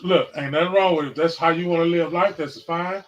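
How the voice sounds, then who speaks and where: A man in his forties hosting a casual livestream podcast, mixing loud, repetitive outbursts with profane, slangy sermon-like talk. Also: on the high side, steady tone, fairly quick. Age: 40s. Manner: profane, slangy, calls out viewers. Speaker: podcast host. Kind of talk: casual preaching and chat. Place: livestream, home setup.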